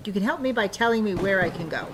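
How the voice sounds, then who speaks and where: An actress plays an older small-town woman, snobbish and easily affronted, speaking in a huffy, self-pitying way. It is audio drama, with clear storm ambience and noise around the voice. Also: mid-range voice, expressive, quick pace, close to an everyday voice. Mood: offended, snappish.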